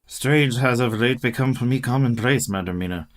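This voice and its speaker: A man's voice: mid-range voice, natural voice. Courtly elderly professor, grave and kind, mid-range voice, voiced by a man, radio play. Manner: formal, courtly, measured speech. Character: learned elderly male professor, gentle and grave.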